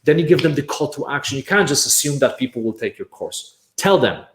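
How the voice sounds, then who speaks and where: A man from Poland, Polish his first language, giving an energetic online workshop on making courses, stressing points with "right?" and repeated "bam". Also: mid-range voice, a little fast, roomy sound.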